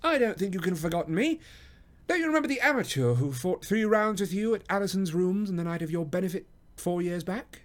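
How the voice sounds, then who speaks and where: A man voicing a genial, confident gentleman detective in a storybook mystery, jovial and assured. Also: sits high, animated, normal speed, hardly any pauses, pitched above the performer's own voice.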